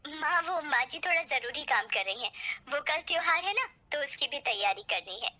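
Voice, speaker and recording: Sweet caring young bride in a story, higher bright voice, woman doing her. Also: expressive, moderate pace, full character voice. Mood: polite. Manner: soft-spoken and caring. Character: gentle devoted young bride.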